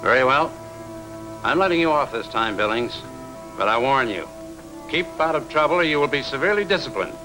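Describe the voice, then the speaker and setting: 男演员饰演的严厉典狱长，语调起伏明显. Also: male voice, mid-range voice, expressive, brisk, music in the background, lightly acted, poor audio. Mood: stern, formal. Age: middle-aged. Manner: formal, authoritative. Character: stern, formal middle-aged prison warden. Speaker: actor in a prison drama. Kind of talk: 1950s black-and-white screen drama acting.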